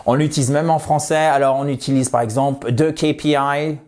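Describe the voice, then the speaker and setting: Man teaching English slowly. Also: a little high. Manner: lively, drawn-out slow drills of English phrases. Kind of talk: online language lesson.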